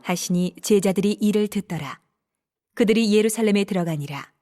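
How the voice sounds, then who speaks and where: A woman narrating scripture from a script in a measured, formal manner. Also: medium pitch, mellow. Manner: measured, formal read delivery.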